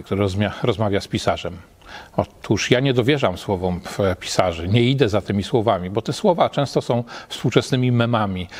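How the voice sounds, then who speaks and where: A middle-aged man, a literary scholar, reflecting at a measured pace and often pausing with hesitations between phrases, recorded with a lapel mic in an empty lecture hall. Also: on the low side. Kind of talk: reflective spoken commentary.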